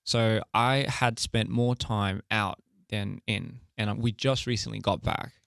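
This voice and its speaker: A young man with a low, gravelly voice talks through an interview in an easygoing, candid way. He leans on fillers and laughs easily, and the sound is dry and close with no room around it. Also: steady tone, measured pace, a bit bright, no room sound. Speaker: interview guest, music artist and director. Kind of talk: casual interview chat.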